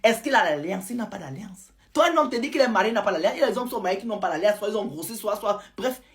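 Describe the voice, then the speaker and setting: A woman's voice: medium pitch, fast. Woman telling a dramatic story. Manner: lively, retells a follower's account in first person. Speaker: storyteller host.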